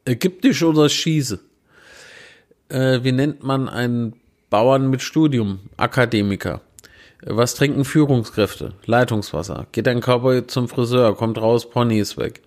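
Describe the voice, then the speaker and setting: A man's voice: medium pitch, steady tone, normal speed, darkish tone. A man reading out puns in a dry, plain way, with self-mocking asides, recorded indoors on a handheld recorder set on a small tabletop tripod. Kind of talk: casual joke reading.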